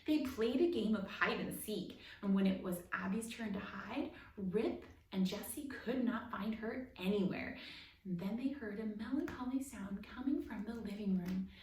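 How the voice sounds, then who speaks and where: A woman's voice: mid-range voice, normal speed, a little mellow. A woman narrating a children's picture book expressively as a storytime reader. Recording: roomy echo, distant mic, faint noise.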